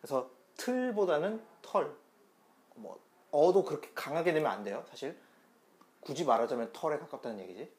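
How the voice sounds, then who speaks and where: A man's voice: a little high, animated, moderate pace, a little mellow. A man giving an online pronunciation lesson, explaining step by step and repeating demonstration sounds in a chatty teaching tone.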